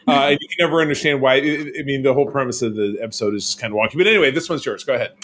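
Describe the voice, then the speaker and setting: A man co-hosting a casual show, chatting about TV episodes in an animated, talkative way. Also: mid-range voice. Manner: animated, chatty, mimics characters in quick asides. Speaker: podcast co-host. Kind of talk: casual chat reviewing TV episodes.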